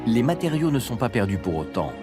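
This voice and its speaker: A man's voice: mid-range voice, big pitch swings, a little fast. A man reading scripted narration for a nature documentary, with music behind him. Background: background music.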